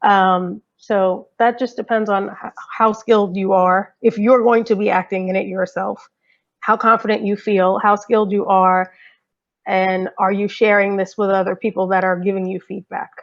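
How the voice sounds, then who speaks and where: A woman of medium pitch speaks with noticeable vocal fry. She is conversational and explanatory, like a panelist giving advice off the cuff. The sound is a little muffled. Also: little pitch movement, normal speed. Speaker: audio drama creator, panelist.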